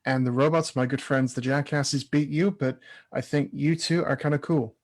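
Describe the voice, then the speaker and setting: A man's voice: mid-range voice, steady tone, moderate pace, lightly acted. A man playing an eager wrestling character in an amateur staged reading of promos.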